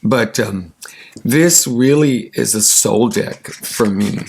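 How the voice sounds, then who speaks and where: A raspy man with allergies, casually chatting and enthusiastically showing off tarot cards, with many ums and uhs. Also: medium pitch, takes it slowly, darkish tone. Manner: gushing, enthusiastic, with many fillers. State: congested from allergies. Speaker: tarot deck reviewer.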